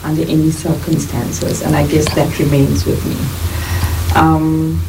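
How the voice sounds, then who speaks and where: A middle-aged South African woman, a nurse and midwife, giving earnest, measured interview answers. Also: sits low. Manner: measured, earnest, lists things in steady runs. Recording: distant mic with clear background noise.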